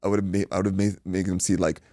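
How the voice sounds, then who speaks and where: A man from Iraq, a boxing coach and guest, telling an animated story in casual chat, acting out quotes and swearing freely. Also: deep voice, rapid-fire, no room sound, studio quality.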